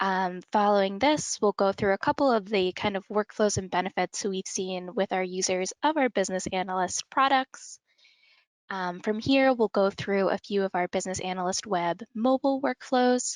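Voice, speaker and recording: In an unremarkable speaking voice with an American accent, the speaker goes at a moderate pace with ordinary pitch variation, the sound dry and close with no echo and the background quiet. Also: woman. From US, Pennsylvania. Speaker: software solution engineer. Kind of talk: webinar presentation. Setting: online webinar. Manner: frequent fillers (um, uh).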